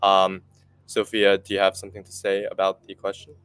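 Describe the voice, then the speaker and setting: Deep-voiced young male moderator. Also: monotone, fairly quick, a bit bright, clear, resonant tone, poor audio. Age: young adult. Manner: affirming, hesitant, many "uh" fillers. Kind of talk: moderating an online panel.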